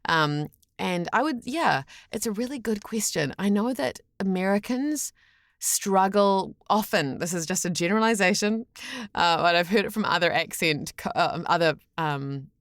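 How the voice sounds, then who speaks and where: A woman with a New Zealand accent chatting as an interview guest, telling anecdotes in a halting, chatty way full of "like". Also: medium pitch, animated, fairly bright tone, no echo, studio quality. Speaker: podcast guest, voice actor.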